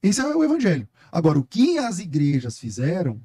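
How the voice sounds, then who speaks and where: A man's voice: on the high side, huge pitch swings, a little fast, mellow, slightly rough, dry recording, clean studio sound. A middle-aged Brazilian man, a pastor, talking emphatically and telling stories in a casual podcast conversation. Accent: Brazilian Portuguese. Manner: emphatic, storytelling, preacher-like. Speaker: guest pastor.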